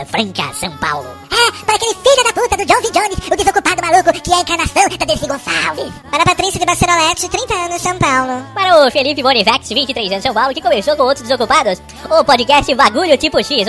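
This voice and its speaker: A male podcast host whose voice is sped up like fast-forwarded tape into a squeaky male chipmunk, rattling off listener shout-outs with jokey asides. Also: full character voice. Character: squeaky little male chipmunk doing impressions.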